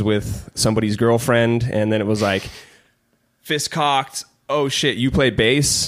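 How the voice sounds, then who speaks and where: The speech comes at a fairly slow pace with a Californian accent. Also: man. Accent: Californian American. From US West Coast, Santa Barbara County, California. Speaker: musician. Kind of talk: casual chat.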